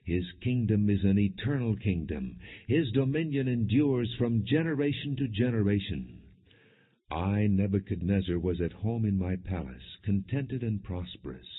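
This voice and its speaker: Deep husky guy doing solemn bible audiobook narration, kinda muffled recording. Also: animated. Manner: measured, solemn reading. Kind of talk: scripted scripture narration, non-dramatized.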